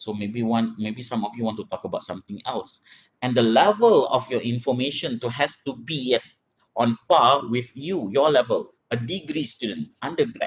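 Lively intonation marks this man's medium-pitched voice. He speaks at a moderate pace with a Malaysian accent. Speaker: university lecturer. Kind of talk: lecture. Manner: halting. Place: home room.

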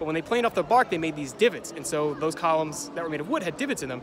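Speaking very fast with lively intonation, a man with a high voice is recorded dry and echo-free over noticeable background noise. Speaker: travel vlogger. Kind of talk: casual vlog chat. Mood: enthusiastic, amazed. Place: open country. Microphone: phone near.

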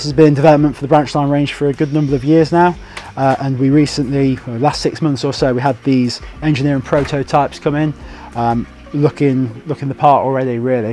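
Faint music plays behind a man's voice. The sound is dry, with no echo. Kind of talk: product presentation. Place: shop. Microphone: lapel.

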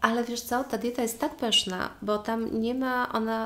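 A woman talks at a moderate pace. Noticeable background noise can be heard throughout. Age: 50s. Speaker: yoga and meditation teacher. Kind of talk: casual interview. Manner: halting, many repetitions and fillers.

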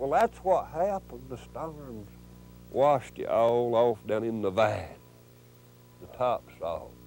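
At a fairly slow pace with long, frequent pauses, a man speaks with an Appalachian accent in a dry recording with no echo. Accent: old Appalachian mountain dialect. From Appalachian North Carolina. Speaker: storyteller. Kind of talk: interview answer. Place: home room.

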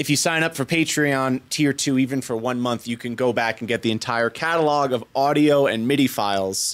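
A man's voice rises and falls in very wide pitch swings. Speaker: music streamer. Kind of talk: casual live stream chat. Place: studio. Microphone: studio mic.

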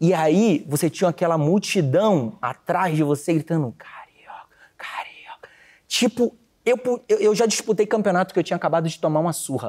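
Lively intonation runs through a man's high-pitched voice. The background is quiet. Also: moderate pace. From Bahia, Brazil, raised partly in Rio de Janeiro. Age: 40s. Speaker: entrepreneur, founder of a games school. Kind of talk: interview, personal storytelling. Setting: studio. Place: studio. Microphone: lapel.

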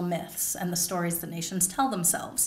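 At a moderate pace, a woman with an American accent speaks in a medium pitch. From United States. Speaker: journalist and researcher; journalist. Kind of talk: lecture; interview answer. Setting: stage with audience. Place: studio. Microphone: studio mic.

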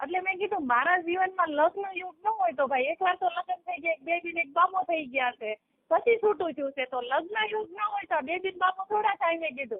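With lively intonation, a woman speaks at an extremely high pitch. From Saurashtra, Gujarat (Bhavnagar district). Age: 40s. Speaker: caller. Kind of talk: phone-in conversation. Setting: phone call.

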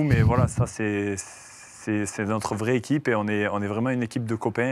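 The man's fairly low voice stays monotone and flat. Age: 30s. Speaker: professional footballer; guest. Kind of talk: interview. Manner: halting. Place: studio. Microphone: lapel.

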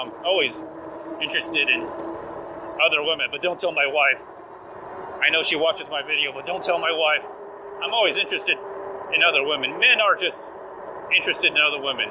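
A man rattles along at a very fast pace over noticeable background noise. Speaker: e-bike vlogger. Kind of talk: casual vlog chat. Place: bicycle. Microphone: camera far.

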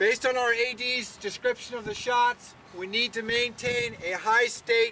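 Over light background noise, a man speaks in a raised, projected voice at a fairly slow pace. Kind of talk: group briefing address. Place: open country. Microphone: camera far.

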